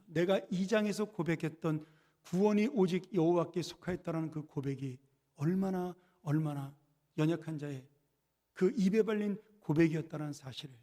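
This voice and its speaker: Korean-speaking male pastor, storytelling sermon, high voice, long reverb of a church hall. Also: a little mellow. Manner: storytelling with rhetorical questions. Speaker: senior pastor. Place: church sanctuary.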